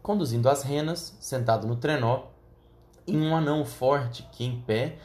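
A man with a mid-range voice reads a children's fantasy aloud as an audiobook. His telling is calm, steady and measured. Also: medium pitch. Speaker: narrator. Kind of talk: audiobook reading.

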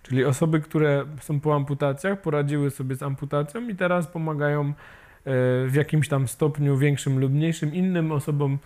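A man who is an amputee and a peer support volunteer speaks casually in an interview, his voice a little high, darkish in tone, with fairly even intonation. He hesitates often while searching for words, with many fillers and restarts, and ends with tag questions.

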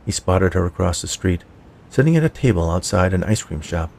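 A man narrating scripted fiction for a podcast in a measured storytelling way. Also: sits low, expressive, vocal fry, a little mellow. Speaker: podcast narrator, writer and producer.

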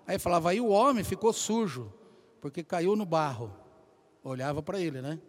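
A man preaching a sermon, telling lively stories and calling out to the congregation as brothers. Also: on the high side, moderate pace. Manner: animated storytelling, addresses congregation as brothers.

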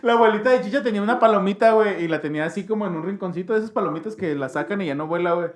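A man's voice: high voice, rapid-fire. A young man with a Mexican accent tells a childhood story in casual, slangy chat, jumping into voices to mimic people.

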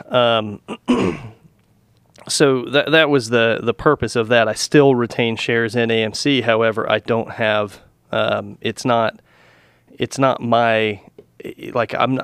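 A man's voice: lowish voice, fairly bright tone, clear, resonant tone, dry recording. A man co-hosting a podcast, chatting casually and rambling with lots of restarts and fillers. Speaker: podcast co-host. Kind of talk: casual chat about stocks.

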